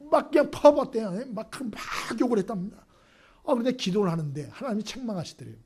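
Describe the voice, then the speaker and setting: A man's voice: high-pitched, lively intonation, quick pace, darkish tone, slightly rough. A male pastor preaching a sermon in a church, telling stories and often checking in with the congregation.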